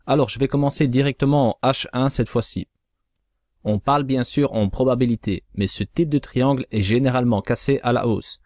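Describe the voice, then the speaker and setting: A man's voice: medium pitch, a little mellow, dry recording. Dry-voiced man explaining crypto charts. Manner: measured, cautionary, explanatory. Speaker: crypto trading analyst. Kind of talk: scripted chart analysis voice-over.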